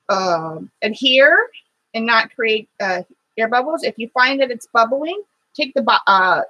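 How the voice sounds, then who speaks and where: A middle-aged woman hosting a live watercolor painting stream, chatting with viewers between steps in a loud, halting way full of fillers. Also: high-pitched, poor audio. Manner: loud voice by her own account, halting with fillers and restarts. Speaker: watercolor livestream host.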